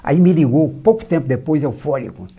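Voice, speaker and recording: An older journalist from São João del Rei, Minas Gerais, Brazil, speaks with the region's Brazilian Portuguese accent as an interview guest, spinning anecdotes and acting out the dialogue he quotes. His fairly high, slightly rough voice runs a little fast, and the recording is muffled.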